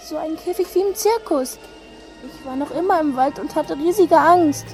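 A scared young boy in a radio drama, his voice high and youthful. He tells his story in a fearful, halting way, with faint music underneath. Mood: fearful recounting. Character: frightened young boy telling of a witch. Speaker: child character Jeremy. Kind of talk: German radio drama acting.

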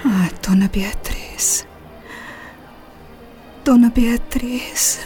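A woman's voice: on the high side, extremely slow, over music. Whispering, grieving young Brazilian woman. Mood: tearful remorse. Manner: tearful, breathy whispering. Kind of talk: radio drama acting.

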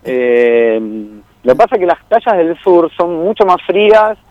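A young man with an Argentine accent talks as a guest in a radio studio. He is relaxed and wandering, with many fillers. His voice sits a little high, and the sound is dry and dull. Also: a little slow, dry recording. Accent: Argentine Spanish. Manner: relaxed and rambling, many fillers, laughs easily. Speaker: guest, tour guide and traveler. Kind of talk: casual radio interview.

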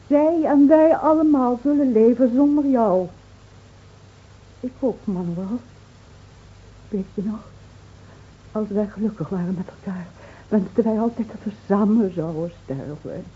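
Husky grieving village wife, tinny recording. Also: female voice, fairly high pitch. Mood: sorrowful, brave. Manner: solemn, measured, pleading. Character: grieving, devoted middle-aged village wife of a lost man. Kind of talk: Dutch radio drama acting. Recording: tinny, narrow-band old radio recording.

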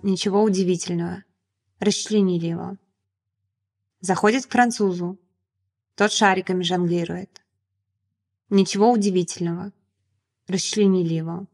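A woman voicing a character telling a joke in an audiobook, with a lively storytelling delivery. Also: medium pitch, natural voice. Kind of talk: audiobook reading.

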